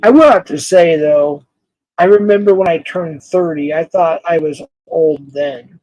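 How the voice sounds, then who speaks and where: A man's voice: on the high side, a little slow, a little mellow, no echo, low-quality recording. A man in his forties hosting a casual livestream, rambling, laughing often and greeting chat viewers by name. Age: 40s. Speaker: livestream host.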